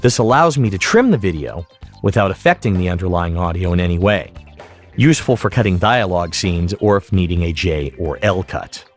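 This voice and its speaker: A man narrating a software tutorial as an instructor, explaining each step methodically. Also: deep voice, lively intonation, fairly quick, soft background music. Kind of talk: instructional screen-recording narration.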